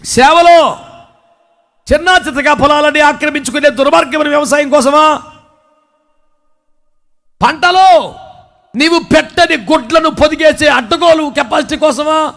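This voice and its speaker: Very high-voiced male pastor preaching. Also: vocal fry, a bit bright. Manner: emphatic, rapid rhetorical questions, scolding then exhorting. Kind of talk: sermon.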